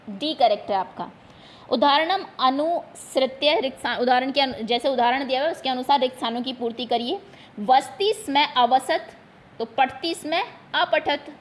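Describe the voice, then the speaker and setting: A woman teacher going through exam questions one at a time, patiently repeating each term in plain Hindi. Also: high voice. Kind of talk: explaining exam answers.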